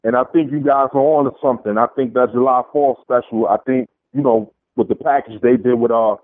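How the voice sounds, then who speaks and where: A man's voice: mid-range voice, fairly even intonation, fairly quick, no room sound. A man with a Brooklyn accent calling in to a show over the phone and chatting casually as a fan. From Brooklyn, New York. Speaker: phone-in caller. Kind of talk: casual sports fan chat. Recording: narrow tinny phone line.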